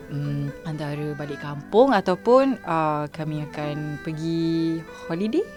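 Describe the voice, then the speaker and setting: A woman speaks with music in the background. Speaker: TikTok personality and actress. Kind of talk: interview answer.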